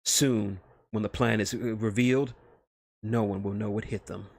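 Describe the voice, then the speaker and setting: A man's voice: fairly low pitch, fairly even intonation, moderate pace, vocal fry, no echo. A man hosting a livestream, chatting casually and rambling with profane, enthusiastic fan talk into a close microphone. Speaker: streamer, host. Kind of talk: casual livestream chat about fan fiction.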